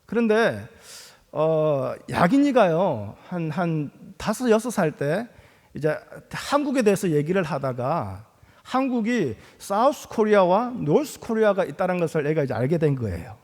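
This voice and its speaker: A pastor with a Gyeongsang accent preaches in a high, lively voice that swings freely up and down. He tells his points as animated stories with touches of humor. His voice carries the long reverb of a large hall. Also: measured pace. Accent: Gyeongsang Korean. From Gyeongsang, South Korea. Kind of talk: sermon. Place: church sanctuary.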